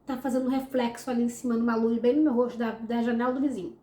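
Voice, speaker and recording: A woman's voice: fairly high pitch, level tone, quick pace, dark tone, reverberant. A Brazilian woman with a Brazilian Portuguese accent, answering follower questions in a casual, upbeat vlog with many fillers. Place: home, room with a window.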